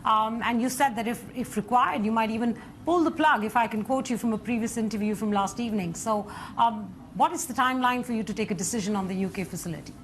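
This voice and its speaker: A woman's voice: a little high, fast talker, hardly any pauses, a little hiss or hum. A woman journalist putting formal business questions to an interviewee.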